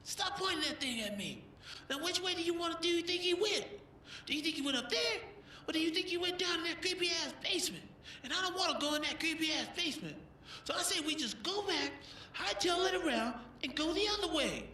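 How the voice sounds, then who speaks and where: A woman's voice: extremely high pitch, lively intonation, brisk, bright, forceful tone, full character voice. A woman playing a nervous, reluctant gang accomplice who pleads in an audio drama, recorded from a distance in a noisy, roomy space. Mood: nervous pleading.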